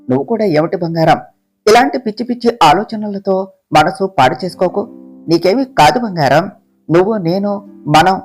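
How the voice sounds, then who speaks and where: A storyteller voicing a loving young husband who comforts and reassures his wife, soft guitar playing behind. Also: mid-range voice, lightly acted. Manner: tender, coaxing. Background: soft guitar music.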